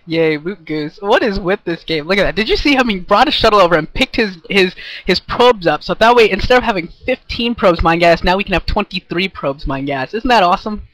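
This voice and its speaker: A young man co-commentating a game, sarcastic and excitable with quick jokes, on a headset mic. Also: high voice, rough recording. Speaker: esports co-commentator.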